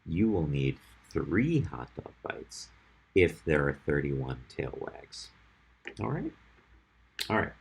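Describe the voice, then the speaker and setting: A man whose first language was Albanian teaches math to a class. His voice is very low and a little husky, and he speaks slowly with lively rises and falls. He walks through each step patiently and keeps checking that his students follow. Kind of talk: classroom lecture on functions.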